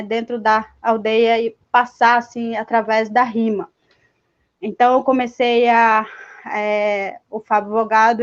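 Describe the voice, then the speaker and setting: Slow, hesitant young woman rapper. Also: on the high side. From Mato Grosso do Sul, Brazil. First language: Guarani. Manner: slow and hesitant, many fillers. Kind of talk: live stream talk. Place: indoors, seated. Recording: dull lo-fi sound.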